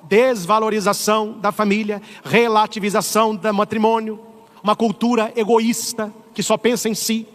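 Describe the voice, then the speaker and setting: A middle-aged man with a Brazilian Portuguese accent, a priest preaching an animated, humorous sermon. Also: high-pitched, in a large hall. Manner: animated, humorous, acts out voices. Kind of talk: lively sermon.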